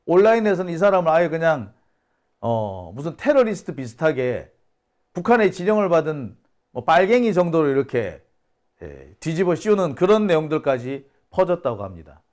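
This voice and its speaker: Man, indignant commentary host, high voice, very lively swings in pitch. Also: normal speed. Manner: indignant, scoffing, exclaims and sighs. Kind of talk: solo talk-show commentary.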